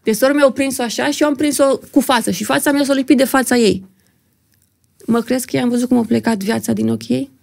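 A young woman with a slightly high, gravelly voice recounts a personal story as a podcast guest. She tells it vividly and with drama, slipping into the voices of the people involved, and the close, dry studio microphone picks up every rasp. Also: fairly even intonation, no room sound. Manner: vivid, dramatic retelling, acting out what others said. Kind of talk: emotional personal storytelling in conversation.

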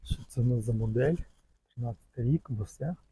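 At an outdoor market, a man casually shows cars for sale, rambling loosely in a walk-around commentary full of fond little words. His medium-pitched voice is mellow and moves at normal speed, in a low-quality recording with slight background noise.

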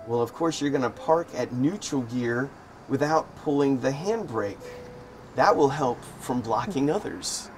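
A man chatting in a relaxed, wry and amused way as he tells everyday stories for his vlog. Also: medium pitch, slight background noise. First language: English. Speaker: vlogger. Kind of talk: casual storytelling vlog. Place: living in Thailand.

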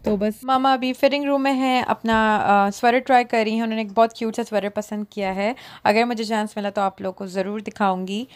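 Mom vlogger, thirties, from Pakistan, chatty and direct, recorded on a phone. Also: female voice, on the high side, steady tone, fairly quick, few pauses. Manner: chatty, addressing viewers directly. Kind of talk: casual vlog narration to camera. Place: indoor mall, then parked car.

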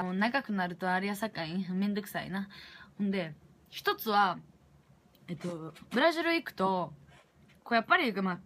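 Animated young Kansai woman telling a story. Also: mid-range voice. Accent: Kansai Japanese. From Japan. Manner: animated, acts out her own reactions. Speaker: vlogger. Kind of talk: casual storytelling to camera.

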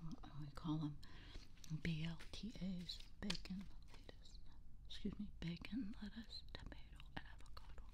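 A woman from California in a whispered role-play, softly whispering with occasional quiet voiced words as she sorts grocery ads at home on a close binaural mic. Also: fairly low pitch, normal speed. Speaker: ASMR creator. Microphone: binaural mic close to the table. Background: paper rustling and clicks.

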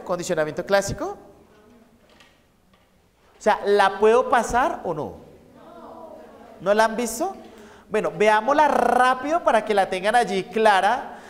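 A man lecturing on psychology, telling stories and repeating key points for his students to write down. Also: sits high. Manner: storytelling, repeats points to dictate. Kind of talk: university lecture. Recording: echoey lecture hall.

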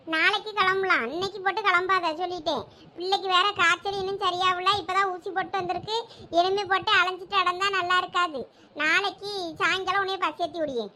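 A woman's voice: very high voice, bright, forceful tone. A young woman with a Thoothukudi Tamil accent, bickering through domestic dialogue in a village comedy skit. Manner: bickering, domestic back-and-forth.

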